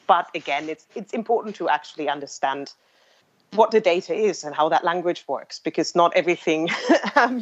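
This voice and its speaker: The muffled, lo-fi recording captures a female interview guest whose first language is German and who develops language technology. She speaks in a low, hesitant voice, thoughtfully and casually explaining, full of ums, restarts and the occasional light laugh.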